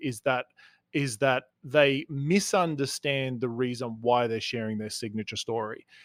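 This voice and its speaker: With an Australian accent, a man speaks at a fairly slow pace in a medium pitch with ordinary pitch variation, the sound dry and close with no echo. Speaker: storytelling and presentation coach. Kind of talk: podcast interview.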